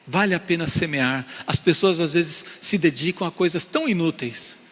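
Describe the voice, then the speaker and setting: A man's voice: fairly high pitch, normal speed, a bit bright, husky, big-room sound. A man preaching a sermon to his congregation as pastor, asking rhetorical questions and often calling for an "amém". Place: church sanctuary.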